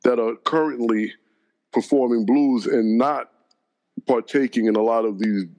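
A man hosting a podcast interview, asking questions in formal, deliberate phrasing with frequent restarts. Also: medium pitch, darkish tone. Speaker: podcast host.

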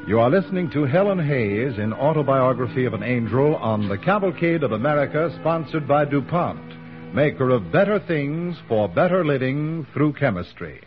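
A man's voice: medium pitch, expressive, normal speed. A male radio announcer reading a formal sponsor message in a polished style. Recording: dull old radio broadcast with music.

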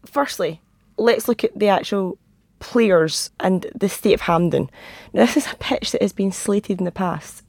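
A woman speaks with a husky croak and a lot of gravel in her tone. She argues her points as a football pundit, recorded close and dry in a studio. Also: mid-range voice, measured pace, a little mellow, dry recording. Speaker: podcast guest, football pundit. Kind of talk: lively opinionated football discussion. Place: podcast studio.

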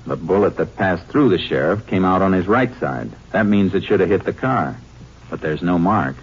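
An actor playing a steady, shrewd Texas Ranger investigator in a matter-of-fact, authoritative 1950s radio western style. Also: male voice, low-pitched, normal speed, breathy edge. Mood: firm. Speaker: lead actor and narrator. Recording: noisy, clicking, muffled 1950s radio recording.

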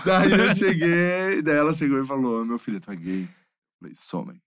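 Brief: male podcast co-host, earnest and reflective, expressive intonation. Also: fairly high pitch, normal speed, no echo, clean studio sound. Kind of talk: casual interview chat.

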